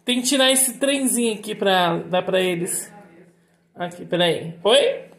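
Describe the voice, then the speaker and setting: A woman's voice: mid-range voice, animated, measured pace, roomy sound. A woman casually vlogging at home, cooing at her pets in baby talk.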